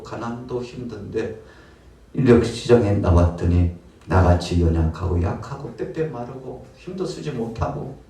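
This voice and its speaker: A man's voice: medium pitch, a little mellow. A man preaching a sermon as pastor, telling the story dramatically and acting out the scenes. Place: church. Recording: roomy church hall, mic far off.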